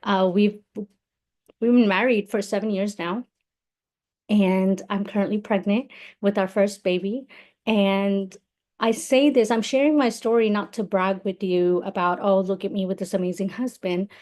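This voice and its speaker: A woman's voice: medium pitch, steady tone, unhurried, a little mellow. A woman sharing her personal story as a guest on a live webinar, heartfelt and emphatic.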